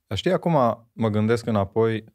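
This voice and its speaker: A man's voice: lowish voice, expressive, darkish tone. A man in his forties, a guest in a podcast conversation, recalling things thoughtfully and often tagging sentences with a questioning aside. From Romania, Miercurea Ciuc. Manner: thoughtful, tags sentences with "you know?". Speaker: guest, former speed skater.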